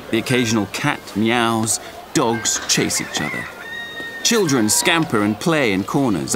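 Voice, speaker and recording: A reflective storyteller of a medieval French court. His lowish voice gives measured, descriptive narration for an audio drama, with a wry edge and clear music underneath.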